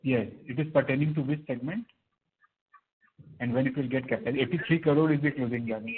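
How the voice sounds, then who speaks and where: A man's voice: mid-range voice, steady tone, fast, husky. A man with an Indian accent asking deferential questions as a caller on an earnings call over the phone. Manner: deferential, often saying sir. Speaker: caller, investor or analyst. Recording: tinny narrowband phone line.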